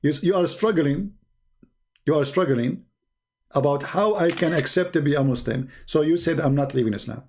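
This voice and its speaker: A man from the Arab world, hosting a live commentary stream in a sarcastic, mocking, halting way. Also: a little high, darkish tone. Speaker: channel host.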